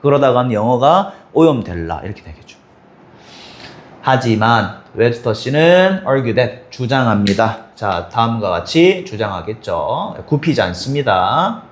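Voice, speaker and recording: A man teaching an English textbook passage to high school students, explaining step by step and asking students quick questions. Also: sing-song, a little hiss or hum. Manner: switches between plain and exaggerated voices for example lines.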